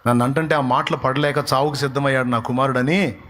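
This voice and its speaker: A man's voice: mid-range voice, fairly even intonation, quick pace, fairly bright tone, close to an everyday voice. A man preaching, voicing a defiant young male shepherd warrior who scornfully and bluntly scolds cowards. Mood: defiant scorn.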